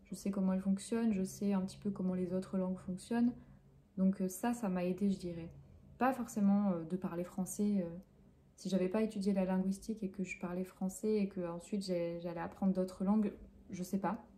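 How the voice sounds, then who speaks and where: A woman's voice: mid-range voice, fairly even intonation, a little fast, mellow, a little hiss or hum. A young Frenchwoman who teaches French, answering interview questions in a hesitant way with many fillers and self-corrections. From France.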